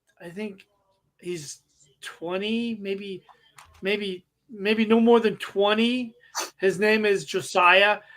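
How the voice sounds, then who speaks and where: A man uses a raised, projected voice with a bright, sharp tone, pitched high with ordinary pitch variation. The recording is very clean, with a silent background. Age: 60s. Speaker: podcast co-host, cosplayer. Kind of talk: casual chat.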